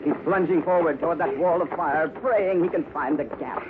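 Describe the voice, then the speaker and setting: A man's voice: fairly high pitch, normal speed, close to an everyday voice. A man voicing the hero and narrating a 1950s radio western, firm and urgent. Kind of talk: 1950s radio drama acting. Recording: tinny old radio broadcast with loud hiss.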